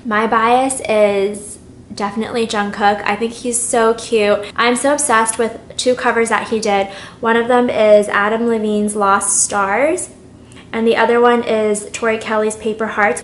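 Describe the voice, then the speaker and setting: A woman's voice: fairly high pitch, fairly bright tone, roomy sound, slight background noise. A young woman chatting candidly while doing her makeup at home, rambling and open about her feelings. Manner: rambling and candid, getting emotional at times. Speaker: beauty vlogger. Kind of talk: chatty get-ready-with-me vlog.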